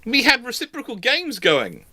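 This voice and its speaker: Animated man hosting, bright high-pitched voice. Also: moderate pace, dry recording. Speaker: livestream host answering questions. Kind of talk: casual live Q&A chat.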